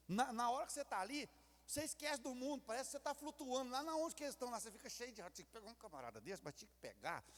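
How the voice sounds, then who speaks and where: High gravelly-voiced Brazilian pastor preaching. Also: male voice, a bit bright. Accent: Brazilian Portuguese. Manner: acts out quarrels in character voices. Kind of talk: sermon. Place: church sanctuary. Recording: reverberant church hall.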